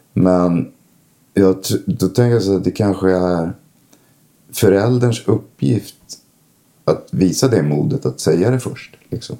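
Speaking at a very slow pace with long, frequent pauses, a man uses a very deep, low pitch and lively intonation. His tone is dark and mellow. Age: 50s. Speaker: podcast co-host. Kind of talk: emotional family conversation. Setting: in a car. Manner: halting.

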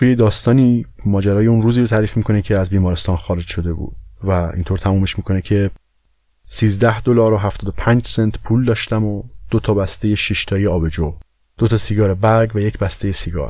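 On a very clean recording with a silent background, a man with a fairly low, dark and mellow voice talks at a fairly quick pace with fairly even intonation. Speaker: podcast host. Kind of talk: scripted narration.

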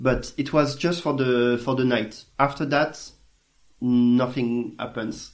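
Very clean recording, silent background. A man speaks at a medium pitch and a very slow pace, with fairly even intonation. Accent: French. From France. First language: French. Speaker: guest. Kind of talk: casual chat.

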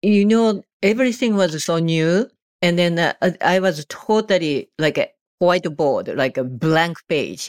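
A woman with a Japanese accent at a fairly low pitch, lively intonation, fairly slow pace and very even loudness, with a dry, close sound with no echo. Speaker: author. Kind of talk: casual interview. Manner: halting.

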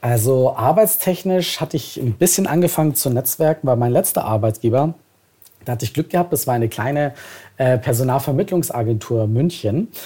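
Lively intonation marks this man's medium-pitched, fairly quick speech. His tone is dark and mellow, somewhat breathy too. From Bavaria, Germany. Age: 40s. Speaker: entrepreneur, event organizer. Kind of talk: interview.

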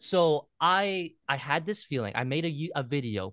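Over a quiet background, a man talks with lively intonation in a dry, close sound with no echo. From Kansas, US (born in Argentina). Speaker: soccer streamer and content creator. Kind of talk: casual chat. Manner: animated.

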